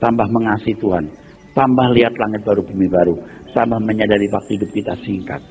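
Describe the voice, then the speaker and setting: A man pastor, preaching an informal sermon in a blunt, animated, mocking way with plenty of street slang. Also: fairly low pitch, fast, soft background music. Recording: tinny phone-like sound, faint noise.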